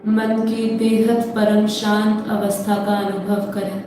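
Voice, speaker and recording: Slow, echoey woman guiding meditation. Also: medium pitch, soft background music. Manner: calm, unhurried instruction with drawn-out, repeated phrases. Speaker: meditation guide. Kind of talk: guided meditation. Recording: very echoey, distant mic, faint background noise.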